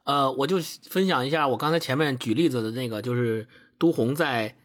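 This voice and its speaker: A man co-hosting a book discussion podcast, talking casually and reading a novel passage aloud with expression. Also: brisk. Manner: expressive reading, animated pitch. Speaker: podcast co-host.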